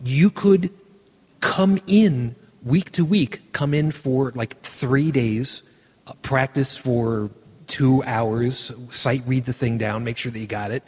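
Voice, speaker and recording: A man's voice: mid-range voice, takes it slowly, darkish tone, slightly rough, big-room sound. A man hosting a casual podcast chat, rambling and restarting as he hunts for words. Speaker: podcast host.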